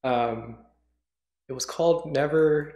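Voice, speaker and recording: A man's voice: a little high, slow pace, a little mellow. A man hosting a casual chat, reacting and searching for words, recorded in a roomy space. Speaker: host reacting to a radio play. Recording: roomy, echoing sound.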